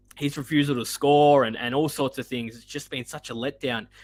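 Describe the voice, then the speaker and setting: A man's medium-pitched voice with an Australian accent and fairly even intonation, on a very clean recording with a silent background. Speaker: sports podcast host. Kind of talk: casual sports talk show. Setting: live stream. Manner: halting, many fillers.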